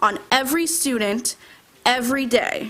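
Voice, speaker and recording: In an American accent, a woman speaks at a high pitch with ordinary pitch variation. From Sarasota, Florida. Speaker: parent, public commenter. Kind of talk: public comment at school board meeting. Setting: school board meeting. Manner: forceful.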